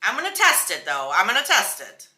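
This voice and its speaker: A woman's voice: mid-range voice, wildly swooping pitch, a little fast, bright, forceful tone. A woman giving a casual, chatty beauty product review in a sassy, emphatic, slangy way. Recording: roomy indoor echo.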